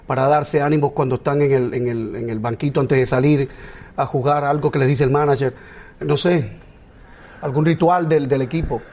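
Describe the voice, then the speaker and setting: A man hosting a TV interview show, asking quick, probing follow-up questions. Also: mid-range voice, fairly even intonation, a little mellow. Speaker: TV talk show host.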